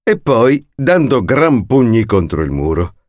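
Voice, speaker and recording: Guy reading a rhyming fairy tale, super lively ups and downs, dry close sound. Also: mid-range voice, unhurried, no room sound. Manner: playful, theatrical rhyming delivery. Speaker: storyteller.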